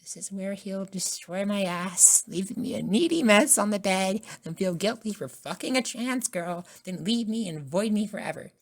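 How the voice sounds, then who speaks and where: Woman doing an anxious, timid college girl, high-pitched. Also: lively intonation, normal speed, hardly any pauses. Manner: nervous, timid, pleading. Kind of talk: ASMR roleplay.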